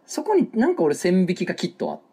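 A man's voice: high-pitched, quick pace, breathy edge. A man with a Kansai accent chatting casually as a podcast co-host, laughing often. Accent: Kansai Japanese. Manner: animated, laughs often, relaxed banter. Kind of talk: casual chat. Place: home, children heard outside.

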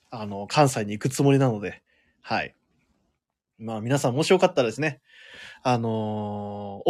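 A man hosting a live radio show alone, chatting in a relaxed way, laughing often as he reads listener comments. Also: medium pitch.

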